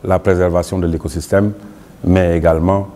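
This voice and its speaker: A man from Senegal giving a formal interview as a local official, in halting, broken phrases. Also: low-pitched, level tone, warm tone. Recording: clear background noise, ambient sound.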